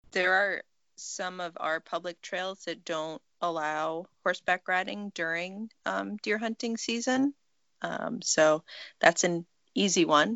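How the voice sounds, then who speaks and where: A woman's plain, everyday voice at medium pitch, with ordinary pitch variation and a fairly slow pace. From Massachusetts. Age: 30s. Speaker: horse rider and trail riding blogger. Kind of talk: casual interview.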